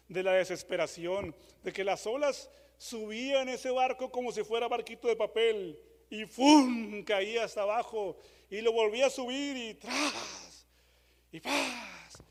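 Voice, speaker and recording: A man preaching a dramatic sermon, moving from loud re-enacted shouts to hushed questions. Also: high-pitched. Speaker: pastor. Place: church hall. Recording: long church hall reverb.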